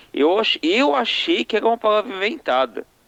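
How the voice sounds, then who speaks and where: A man speaks at a moderate pace with very wide pitch swings. The sound is dry and close, with no echo. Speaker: RPG news show co-host. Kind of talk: casual chat. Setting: live stream. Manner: halting.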